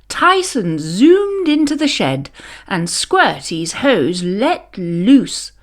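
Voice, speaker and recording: A woman reading a children's story aloud as narrator, expressive and deliberate. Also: high-pitched.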